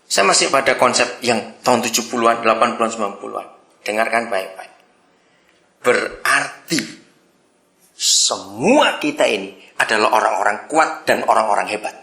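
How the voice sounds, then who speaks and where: A male pastor preaching a sermon in a lively, teasing way, laughing along with his congregation. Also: medium pitch, normal speed, creaky, reverberant.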